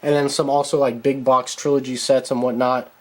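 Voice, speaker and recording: A man touring his home toy room on a handheld phone camera, talking in a relaxed, chatty way, a little nasal from being sick. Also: medium pitch, fairly quick. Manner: chatty and relaxed, with frequent fillers. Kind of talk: casual room-tour vlog.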